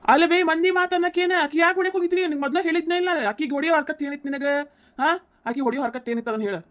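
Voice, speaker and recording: A fast, insistent voice for a young village husband who scolds and lectures his family in a cartoon comedy, acted by a woman. The pitch sits a touch high, and the North Karnataka Kannada accent is strong. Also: close to an everyday voice. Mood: scolding. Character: heated young husband defending his wife against his mother.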